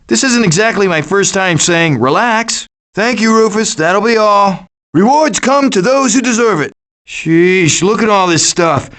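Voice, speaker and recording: High-voiced cocky raccoon schemer RJ. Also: male voice, fairly bright tone, full character voice. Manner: sarcastic, glib, quippy. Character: wisecracking raccoon schemer, cocky male leader of foraging animals. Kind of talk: animated video game voice lines.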